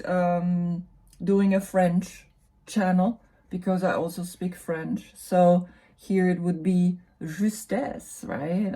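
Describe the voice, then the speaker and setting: A woman with a German accent, explaining tarot cards in a relaxed, musing way, with lots of fillers and tag questions. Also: on the low side. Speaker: tarot reader and yoga teacher. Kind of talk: casual explanatory talk about tarot cards.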